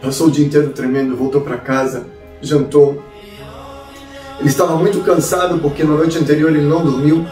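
High-voiced Brazilian storyteller. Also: male voice, brisk. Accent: Brazilian Portuguese. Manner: animated, rhetorical questions. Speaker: rabbi. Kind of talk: dramatic storytelling. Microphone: distant mic. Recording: roomy, distant mic, faint music.

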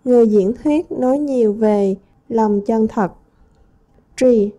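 A woman's voice: a little high, slow pace, warm tone. A woman English teacher going through a textbook review, reading each word aloud and then translating it. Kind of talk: textbook lesson walkthrough.

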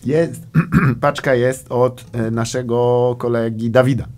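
A man's voice: medium pitch, fairly even intonation, slow, darkish tone. A young man hosting a casual comedy podcast, telling rambling stories with crude jokes and bits of English. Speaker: podcast host.

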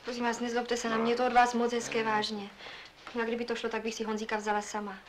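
An actress playing a brisk young nurse in a 1960s film comedy, scolding but kind. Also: female voice, fairly high pitch, completely flat delivery, noisy background, lightly acted. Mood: gentle. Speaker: nurse in a children's ward.

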